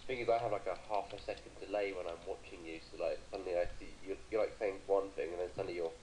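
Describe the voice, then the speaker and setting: Co-host: British man, low-set voice, dry teasing wit, faint hiss behind. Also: fairly even intonation, rapid-fire, darkish tone, low-quality recording. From Britain. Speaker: co-commentator on a call. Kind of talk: casual chat.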